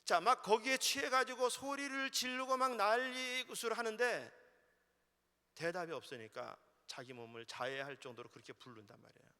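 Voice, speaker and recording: A male pastor preaching a sermon in a church, swinging between loud exhortation and hushed asides. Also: high-pitched, expressive, moderate pace, clean tone. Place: church sanctuary. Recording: long hall reverb of a church.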